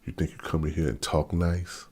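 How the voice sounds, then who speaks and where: This man in his fifties, speaking with a Maryland/Washington DC accent, rants bluntly to camera in an unscripted opinion vlog, repeating himself and stammering when he restarts. His voice is extremely low and darkish with a breathy edge, delivered at normal speed.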